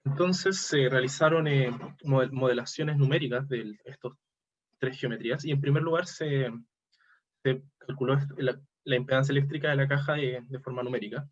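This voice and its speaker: A man presents technical material as an academic speaker. His voice sits at a medium pitch, and his delivery is hesitant, with frequent self-corrections. The recording is dull and lo-fi. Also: fairly even intonation, normal speed. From Chile. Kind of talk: technical conference presentation over slides.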